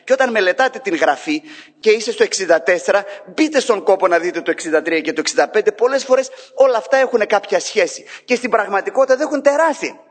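A man preaching a sermon with dramatic swings, rising sharply when he voices cries and dropping low and soft for replies. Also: expressive. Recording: long hall reverb.

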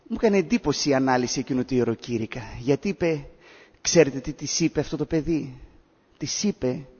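A male preacher with a high, husky voice gives a sermon and moves between emphatic lines and hushed asides. He sounds dull and lo-fi, with a long reverb from a large hall. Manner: storytelling, rising emphatic then dropping to hushed.

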